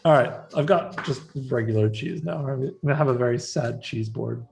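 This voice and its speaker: A man co-hosts a live stream in easy, casual chat, laughing often and reading viewer comments aloud. His voice sits at a middle pitch. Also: moderate pace, vocal fry, a little mellow, slight background noise. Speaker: livestream co-host.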